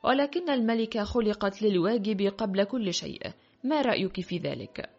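A woman's voice: mid-range voice, animated, moderate pace, a little mellow. Woman reading as a commanding older queen. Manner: firm and decisive. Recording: dull lo-fi audio with faint music.

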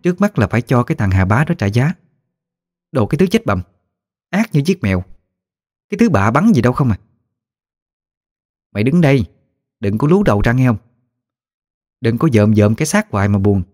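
A man's voice: mid-range voice, big pitch swings, moderate pace, pauses often, a little mellow, pitched above the performer's own voice, natural voice. A man voicing a fierce, foul-mouthed old woman ghost who scolds coarsely. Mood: scolding.

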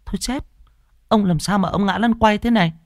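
A man's voice: high-pitched, a little fast, no room sound, clean studio sound, pitched above the performer's own voice, lightly acted. A man doing a meek young servant girl. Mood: alarmed. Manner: polite, deferential.

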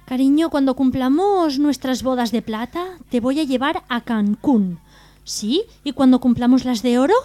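A woman co-hosting a radio humor show, reading jokes aloud in a brisk, even way. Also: high voice, soft background music.

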